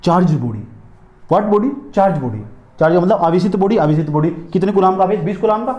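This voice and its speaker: Fast-talking male physics teacher, echoey room. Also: high-pitched, lively intonation, muffled recording. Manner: repetitive, drilling questions to students. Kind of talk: classroom lecture. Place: classroom.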